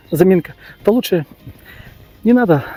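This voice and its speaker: Music plays in the background behind a man. The sound is dry and close, with no echo. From Yakutia. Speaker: hunter and sport shooter. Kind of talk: casual talk to camera. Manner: hesitant, filler-heavy.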